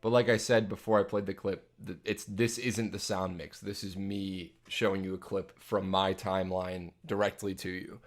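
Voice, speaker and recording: Young male streamer, very deep voice, casual rambling chat-reading host. Loose and self-interrupting. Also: little pitch movement, moderate pace, hardly any pauses. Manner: rambling, reads chat questions aloud, frequent ums and restarts. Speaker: livestream host answering chat. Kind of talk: casual live Q&A. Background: jazz playing from a phone.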